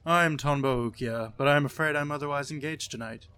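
A man's voice: medium pitch, big pitch swings, fast, pitched above the performer's own voice, close to an everyday voice. A man voicing a tense, secretive stranger who answers tersely and stiffly. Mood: curt.

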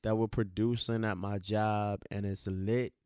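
A man's voice: lowish voice, little pitch movement, unhurried, a little mellow, clean tone, no room sound. Man, podcast co-host, casual joking banter, playful put-on accents, dry close sound. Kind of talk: casual chat. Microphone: headphones and studio mic.

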